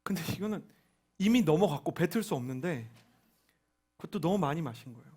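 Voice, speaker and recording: Young male pastor, fairly high voice, animated storytelling sermon. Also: brisk, husky. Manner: animated, acts out quoted voices.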